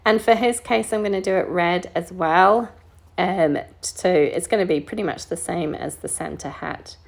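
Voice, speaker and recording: Kiwi lady rambling easy while she colours, lowish voice, lots of ums. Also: normal speed, vocal fry. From New Zealand. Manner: chatty and relaxed, with frequent ums and small laughs. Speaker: card-making crafter. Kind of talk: casual voice-over narration while colouring. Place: home craft desk.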